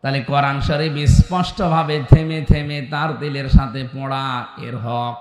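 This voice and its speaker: A middle-aged man preaching a sermon to a crowd, jumping between soft explanation and high emphatic bursts, chanting Arabic verses and quizzing listeners like a teacher. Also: steady tone, normal speed, music in the background. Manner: asks the crowd questions like a teacher. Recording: echoey hall-like reverb from PA.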